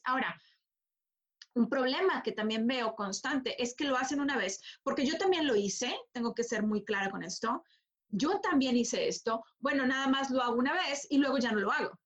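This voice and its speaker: High-voiced woman coaching. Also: highs cut off. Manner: emphatic, repeats phrases for stress. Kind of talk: motivational talk.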